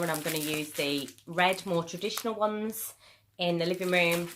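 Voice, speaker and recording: A woman, a bit croaky from a cold, chatting casually through a shopping haul video with frequent ums. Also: deep voice, a little hiss or hum. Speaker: YouTuber.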